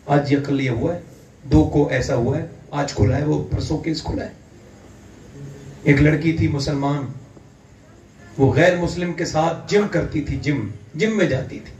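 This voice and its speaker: A man from India preaching an impassioned sermon, fervent and building to loud emphatic peaks. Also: on the high side, long pauses, slight background noise. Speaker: Islamic preacher. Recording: echoey hall, distant mic, faint ambience.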